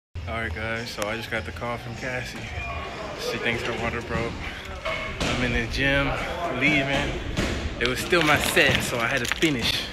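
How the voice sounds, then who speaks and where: A man at a moderate pace, with ordinary pitch variation, long, frequent pauses, and loud background noise. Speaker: expectant father vlogger. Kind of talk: casual vlog chat. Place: gym. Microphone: phone near.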